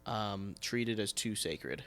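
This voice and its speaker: A man hosting a podcast in a casual, conversational way. His voice has a creaky, gravelly fry to it, and he talks loosely, as if chatting with a friend. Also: on the low side, takes it slowly, a bit bright. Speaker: podcast host.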